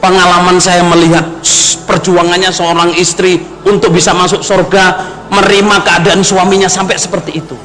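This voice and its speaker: A man gives a storytelling sermon, his voice high and bright. He keeps calling out to the congregation as he talks. The sound rings with a long reverb from a large hall. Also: flat delivery, normal speed, faint music behind. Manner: addresses the congregation often as brothers and sisters. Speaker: preacher.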